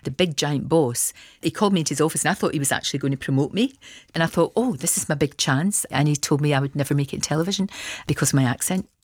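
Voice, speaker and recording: A middle-aged woman with a Glasgow accent, telling stories as a guest in a casual interview, chatty and animated, with Scottish words like wee. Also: low voice, quick pace, slightly rough, no room sound. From Scotland. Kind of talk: casual radio interview chat.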